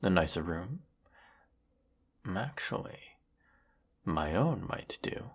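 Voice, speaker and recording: A man playing a cruel yet lonely galactic emperor in a sci-fi audio drama, speaking in a husky, measured, theatrical and menacing way. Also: sing-song, full character voice. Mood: soft, coaxing. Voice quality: gravelly, husky, low. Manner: measured, theatrical, menacing, formal villainous drawl. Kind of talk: scripted sci-fi audio roleplay monologue.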